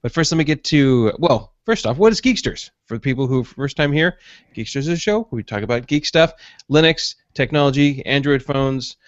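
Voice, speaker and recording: A man's voice: medium pitch, expressive, fairly quick, dry recording. A man hosting a tech podcast, talking in a chatty, joking, rambling way. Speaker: podcast host. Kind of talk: casual chat. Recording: dry, slightly dull home recording.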